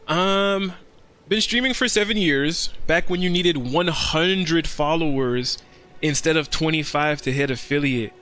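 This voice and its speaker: A man's voice: on the high side, pushed and bright. A man streaming a video game, chatting casually in an easygoing, rambling way. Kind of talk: casual livestream commentary.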